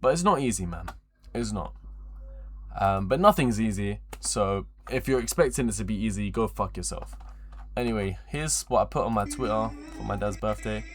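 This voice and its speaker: A man's voice: lowish voice, expressive, normal speed, soft background music. A twenty-year-old man chatting casually on a livestream in a rambling, slangy, repetitive way, with frequent swearing. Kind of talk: casual livestream chat to viewers.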